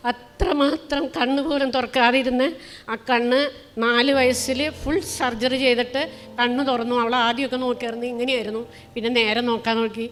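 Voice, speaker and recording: Woman, middle-aged, from Kerala, personal testimony, earnest, pauses and restarts, level tone, slightly high voice. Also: fairly even intonation, soft background music. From Kerala, India. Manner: plain, earnest storytelling with many pauses and restarts. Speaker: testimony speaker.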